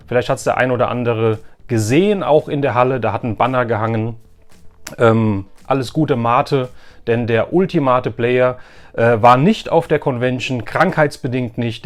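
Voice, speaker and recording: A male vlogger from Germany with a medium-pitched voice speaks directly to his audience. His delivery is casual and chatty, with an enthusiastic, conversational flow suited to a hobby recap video. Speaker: YouTube vlogger and toy collector.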